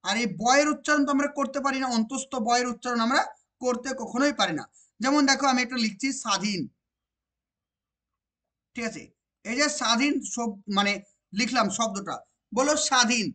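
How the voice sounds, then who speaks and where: A woman teacher with a West Bengal accent leads an exam-prep grammar lesson. She drills each point more than once, slows down to stress key phrases, and keeps checking with rhetorical questions. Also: on the high side, fairly bright tone.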